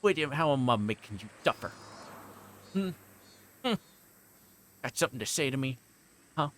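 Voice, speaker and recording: A man is streaming a game from home, reading text aloud and chatting in a rambling, joking way. His voice sits at an ordinary pitch, with faint noise behind it. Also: big pitch swings, normal speed, fairly bright tone. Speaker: livestreamer playing a visual novel.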